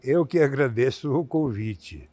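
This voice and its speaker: A man in his seventies from Bulgaria, speaking with a Bulgarian accent as a guest in an interview on a theater stage, measured and halting with many fillers. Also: mid-range voice, animated, mellow, dry recording. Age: 70s. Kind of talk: stage interview on a TV talk show.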